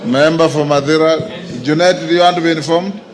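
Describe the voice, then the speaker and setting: A Kenyan man with a somewhat high voice presides over a parliament sitting. He speaks in formal, official procedural language, and the big hall adds long reverb. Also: fairly even intonation, fairly quick. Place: large indoor parliament chamber.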